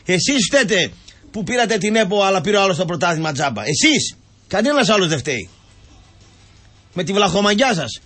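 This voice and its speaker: High husky guy ranting about football on the radio, swoopy and mocking. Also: big pitch swings, long pauses, fairly bright tone, soft background music. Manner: ranting, mocking, keeps cutting in. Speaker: football pundit, show host. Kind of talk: heated comic sports rant.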